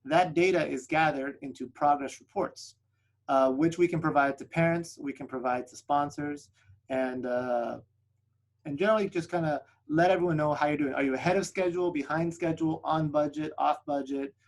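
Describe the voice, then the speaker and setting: An upbeat man whose first language is Spanish walks listeners through his flight school on a video call. His voice sits a little high for a man, and he keeps tossing in a quick "right?" as he pitches. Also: fairly even intonation. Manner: upbeat sales pitch, frequent tag "right?". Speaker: flight school representative presenting a webinar. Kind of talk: presenting slides on a video call webinar.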